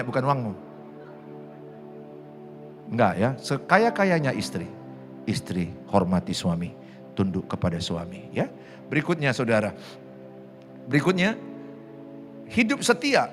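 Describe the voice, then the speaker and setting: A man's voice: on the high side, fairly bright tone. A middle-aged man, preaching a sermon and having the congregation repeat lines after him. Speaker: pastor. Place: large church hall.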